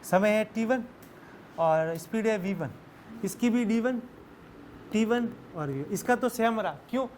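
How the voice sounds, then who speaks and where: A high-pitched male physics teacher lecturing a classroom and firing questions at his students. He calls them "beta" and laughs and jokes along with them. Faint noise sits under the recording. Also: unhurried, pauses often, darkish tone.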